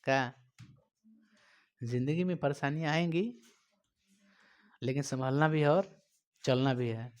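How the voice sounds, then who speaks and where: A male teacher with a Bihari Hindi accent, giving a classroom lecture, quizzing his students and scolding them, loud one moment and quiet the next. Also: mid-range voice, unhurried, long pauses, clear, resonant tone. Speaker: coaching teacher.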